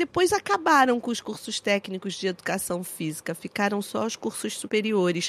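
Her intonation lively, a woman with a plain, everyday voice speaks at a medium pitch and a moderate pace. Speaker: podcast host. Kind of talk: casual interview chat.

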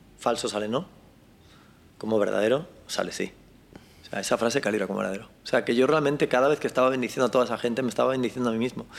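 His pace is very fast. This man's pitch sits at a medium level. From Galicia, Spain (Fisterra). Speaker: entrepreneur and author. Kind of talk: interview. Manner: animated.

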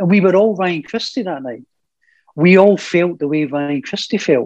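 Lively intonation marks this man's Scottish accent at a moderate pace. The sound is dry and close, with no echo. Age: 50s. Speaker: sports journalist. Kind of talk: casual interview.

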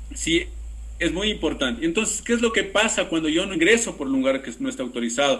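A man speaks at a very fast pace in a high voice. His pitch swings very widely. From Ecuador, rural countryside. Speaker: police mountain rescuer and mountaineering instructor. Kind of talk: interview.

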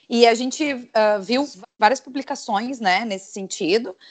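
In a quiet background, a woman speaks. Her pitch variation is ordinary. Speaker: podcast host, fact-checking director. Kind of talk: casual chat. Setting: recording remotely from home.

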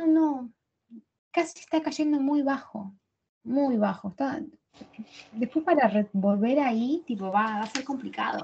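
A high-pitched woman speaks at a fairly slow pace with lively intonation. She takes long, frequent pauses. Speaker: podcast co-host. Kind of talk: casual chat. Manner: animated.

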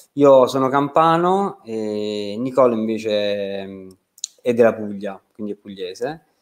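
This is a normal speaking voice, delivered at a fairly slow pace with ordinary pitch variation. Its loudness swings widely from moment to moment. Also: man, medium pitch for a man. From southern Italy, Campania. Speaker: wedding photographer. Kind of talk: interview.

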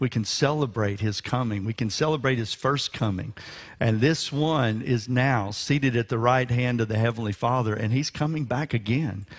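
This speaker has a Texan accent, ordinary pitch variation and a moderate pace. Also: man, medium pitch for a man. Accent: Texan American. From West Texas. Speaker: pastor. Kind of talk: sermon. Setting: church.

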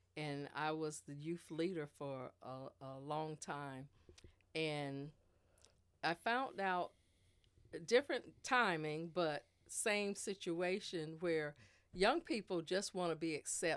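In a Southern US accent, a woman with a fairly low pitch speaks at a very slow pace. She leaves long, frequent pauses, and her pitch varies in an ordinary way. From North Carolina (Spring Lake, near Fayetteville). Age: 60s. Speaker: pastor. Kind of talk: casual interview.

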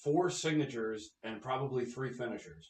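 Somewhat breathy, a man with an American accent talks at a moderate pace. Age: 30s. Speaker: wrestling podcast host. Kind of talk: casual chat.

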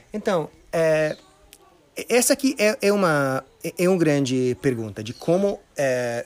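A man talks at a very slow pace. His pitch is fairly high and his intonation lively. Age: 40s. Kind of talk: personal storytelling. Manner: halting.

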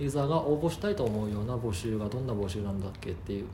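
A very fast, somewhat breathy man with a fairly low pitch, dark, mellow tone, and lively intonation, with audible room echo. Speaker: software engineer. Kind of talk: casual chat. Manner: halting.

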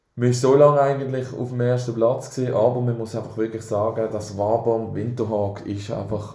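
A man talks at a medium pitch and a moderate pace, his intonation monotone and flat. Audible room echo and noticeable background noise surround him. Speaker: podcast co-host. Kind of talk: casual chat.

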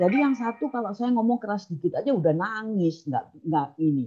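A woman speaks in a fairly high, somewhat breathy voice with very wide pitch swings. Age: 60s. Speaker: participant, mother. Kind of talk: online discussion.

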